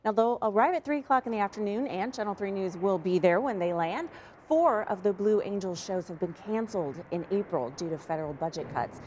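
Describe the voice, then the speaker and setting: A woman anchoring a live morning newscast, reading stories briskly and slipping into upbeat, chatty asides with her co-anchor. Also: medium pitch, expressive, a little mellow, slight background noise.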